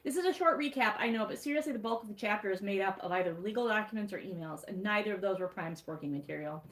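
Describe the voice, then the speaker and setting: A woman's voice: mid-range voice, fast talker, roomy sound. A woman with a Michigan accent reading her own snarky book recap aloud on a livestream, wry and sarcastic, with laughs at her own jokes.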